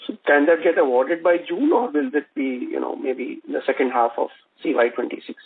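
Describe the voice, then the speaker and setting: Male analyst, slightly low-pitched and creaky, hesitant questioning over a thin telephone connection. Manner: halting, hesitant phrasing with many repeated uhs. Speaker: analyst asking questions on an earnings call. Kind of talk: business conference call questioning. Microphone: telephone conference line. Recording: tinny phone line with faint noise.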